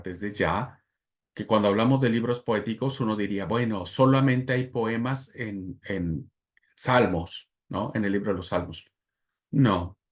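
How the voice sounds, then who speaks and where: Man lecturing on scripture. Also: on the low side. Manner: explanatory, repeats key terms and asks "¿verdad?". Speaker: Bible teacher. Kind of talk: lecturing a class.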